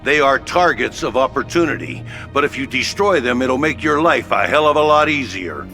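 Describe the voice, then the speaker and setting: An actor playing a gruff male headquarters officer who gives brisk orders with rough swearing. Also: mid-range voice, expressive. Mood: urgent. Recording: game audio under loud music.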